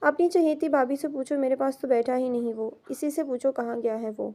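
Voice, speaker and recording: A woman's voice: high voice, fairly even intonation, warm tone. A woman reading an audio novel aloud, voicing a bitter, dismissive middle-aged mother.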